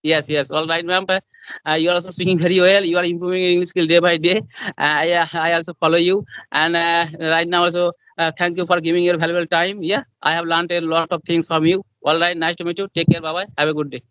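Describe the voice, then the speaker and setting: Young indian guy, bengali accent, high-ish voice, lots of uh and repeats, dry sound. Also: level tone, fast talker, fairly bright tone, clear, resonant tone, dry recording, dull audio. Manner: repetitive, with many fillers. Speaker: interviewer in a practice conversation. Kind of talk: casual conversation practice.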